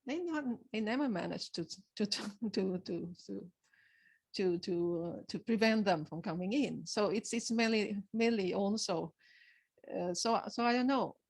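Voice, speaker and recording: A woman researcher answering questions at a seminar, speaking haltingly with many restarts as she searches for words. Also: medium pitch, creaky, a little mellow.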